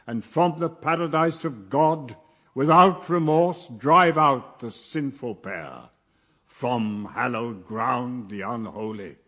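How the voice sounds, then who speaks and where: An actor playing God as a stern, commanding ruler, solemn and grandly declamatory, in a radio verse drama. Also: male voice, medium pitch, fairly bright tone, breathy edge, heavily acted.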